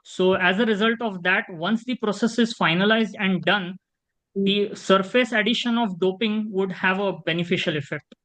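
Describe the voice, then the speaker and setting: A man's voice: high-pitched, moderate pace, fairly bright tone, poor audio. A man from western India with a strong South Indian accent, giving technical explanations as a deferential presenter answering questions. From Maharashtra, India.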